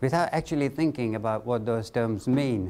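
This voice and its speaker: The man's speech shows ordinary pitch variation. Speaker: visiting professor lecturer. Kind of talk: lecture. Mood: good-humoured, explanatory. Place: classroom.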